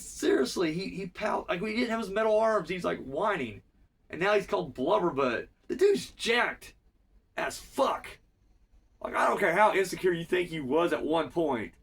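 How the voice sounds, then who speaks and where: A man's voice: fairly high pitch, gravelly, a bit bright, husky, distant mic. A man with a cold recapping a cartoon episode in a rambling, profane, casual way. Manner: rambling, profane, filler-heavy. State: has a cold.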